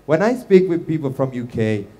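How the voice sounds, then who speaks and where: A man's voice: mid-range voice, sing-song, moderate pace, dark tone. A man in his thirties from Italy with an Italian accent, giving a casual startup talk full of fillers and restarts. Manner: chatty, self-deprecating, many fillers and restarts.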